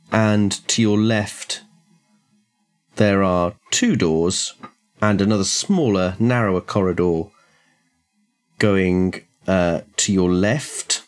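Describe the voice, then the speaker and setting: A man acting as game master, describing a house layout with many pauses and ums. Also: low voice. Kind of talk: describing a scene in a tabletop game.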